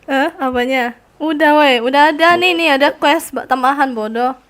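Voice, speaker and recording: A young woman chats casually on a game live stream, laughing often and sighing in exasperation at her teammate. Her voice sits high and fairly bright, at a normal speed.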